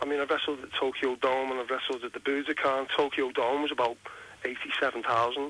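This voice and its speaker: A man with a Liverpool accent, medium in pitch, at a very fast pace amid noticeable background noise. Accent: Scouse. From Liverpool, England. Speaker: professional wrestler. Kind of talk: radio interview. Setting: phone call. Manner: animated, repetitive stammering starts.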